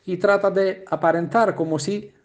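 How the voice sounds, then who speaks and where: A man who speaks Spanish as a second language, explaining word meanings as a Bible teacher, pausing often with fillers and checking in with the listener. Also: sits high, steady tone. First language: not Spanish. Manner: halting, many filler "eh" sounds and restarts, asks "¿no?" and "¿vale?".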